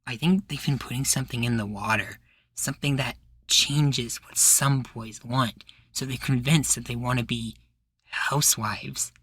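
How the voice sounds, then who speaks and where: A man's voice: medium pitch, fairly even intonation, measured pace, fairly bright tone, husky, dry recording. A man playing an earnest, indignant young radical activist as a podcast guest in an ASMR roleplay, pleading and insistent.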